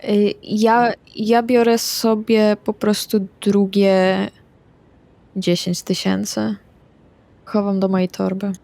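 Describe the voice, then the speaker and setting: A female player speaks casually in character during a tabletop game. Her voice is mid-pitched and her delivery slightly hesitant, recorded dry and close. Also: little pitch movement, takes it slowly, creaky, dark tone, no room sound.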